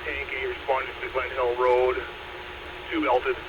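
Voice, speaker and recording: A man's voice: medium pitch, monotone, a little slow. A male firefighter giving terse procedural radio traffic over a two-way radio. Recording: muffled radio scanner, very loud noise.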